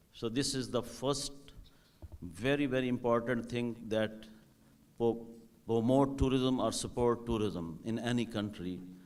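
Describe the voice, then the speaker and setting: In a Pakistani accent, the speaker talks at a fairly slow pace with long, frequent pauses, and audible room echo fills the space. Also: man, medium pitch for a man, fairly even intonation. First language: Urdu. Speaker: tourism official. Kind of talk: formal speech. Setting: stage with audience at hotel event.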